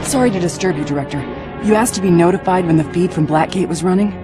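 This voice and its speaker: Polite female assistant, an actress, brisk and formal, a bit low. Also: over music, close to an everyday voice. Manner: formal, deferential. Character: polite female government aide. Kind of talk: video game cutscene acting.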